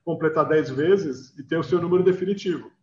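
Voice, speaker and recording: A man's voice: on the high side, a little fast, a little mellow, dull audio, a little hiss or hum. Earnest Brazilian man on an echoey line. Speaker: guest, marathon runner. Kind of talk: casual interview answers.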